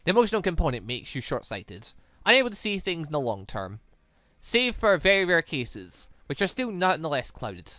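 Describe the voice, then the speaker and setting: A man voicing a cold, logical female android from a visual novel game with formal, clipped, deliberate delivery. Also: on the high side, huge pitch swings, sharp tone, no echo, exaggerated voice. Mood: cold, pragmatic.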